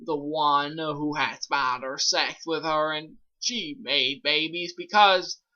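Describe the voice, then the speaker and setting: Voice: medium pitch, slow, pushed and bright, highs cut off. A co-reader giving a hammy, theatrical dramatic reading of fan fiction, with joking commentary.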